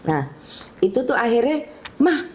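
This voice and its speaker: A woman's voice: lowish voice, normal speed. A middle-aged woman, a mother recounting family memories in an interview and acting out the voices of her relatives. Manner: lively storyteller, acts out family dialogue. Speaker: grieving mother, guest. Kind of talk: tearful storytelling interview. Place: studio.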